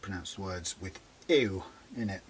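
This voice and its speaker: A man talking casually through a guitar setup in his workshop, rambling and chatty, muttering quietly as he works. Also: deep voice, a little slow, slight background noise. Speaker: guitar repair demonstrator. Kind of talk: casual workshop how-to talk.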